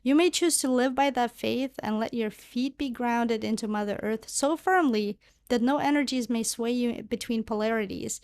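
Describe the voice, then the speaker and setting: A woman's voice: on the high side, normal speed, few pauses, darkish tone, dry recording. A woman delivering a channeled spiritual monologue in formal, solemn phrasing, speaking as a spiritual guide.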